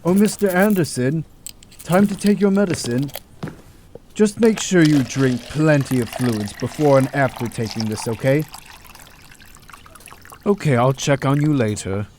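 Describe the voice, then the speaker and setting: A man playing an earnest, troubled hospital doctor in an amateur audio drama, speaking in a deliberate, halting, dramatic way. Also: a little high, lively intonation, a little mellow, slight background noise. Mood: kindly.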